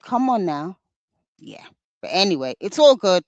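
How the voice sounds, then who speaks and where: London woman, lively stream co-host. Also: mid-range voice, normal speed, no echo, muffled recording. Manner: animated, playful, dips into mock patois. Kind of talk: casual commentary chat.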